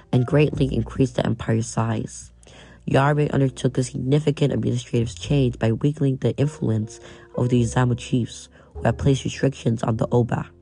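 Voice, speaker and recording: Gravelly young man reading a history podcast. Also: medium pitch, fairly even intonation, normal speed, dark tone, faint music behind. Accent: American. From Nigeria. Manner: reads from a script with frequent restarts on names. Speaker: podcast host. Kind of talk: scripted history podcast narration.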